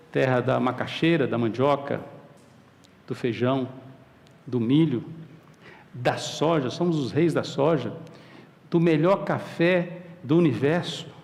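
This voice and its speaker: A fairly high-pitched male voice, very slow with long, frequent pauses, ordinary pitch variation and audible room echo. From Paraná, Brazil. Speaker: pastor. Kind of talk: sermon.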